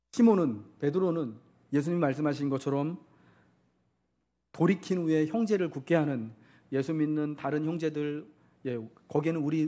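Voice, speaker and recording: A man's voice: fairly high pitch, warm tone. A man preaching a Sunday sermon as pastor, asking the congregation questions and acting out quotes.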